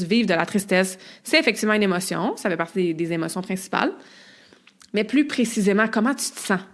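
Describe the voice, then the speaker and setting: A woman hosts a podcast in a casual, chatty monologue. She reels off long lists of words and peppers her talk with little filler asides. Her voice sits at an ordinary middle pitch. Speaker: podcast host.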